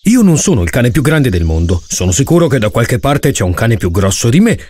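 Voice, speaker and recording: A man's voice: mid-range voice, very animated, a little fast, a little mellow, no room sound. A man voicing a friendly, contented dog with a reassuring manner in a children's cartoon.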